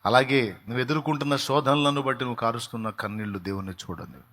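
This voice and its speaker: A male pastor preaching a sermon with fervour, swinging between quiet, low passages and loud, raised outbursts. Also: fast talker.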